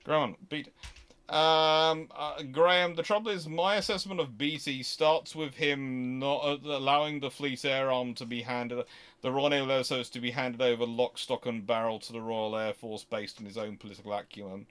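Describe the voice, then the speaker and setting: A man with a mid-pitched voice hosts an informal question-and-answer talk. He speaks off the cuff, wandering through each point and reasoning aloud as he goes. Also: steady tone, normal speed, a bit bright, smooth. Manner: discursive, thinking aloud. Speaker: host answering audience questions.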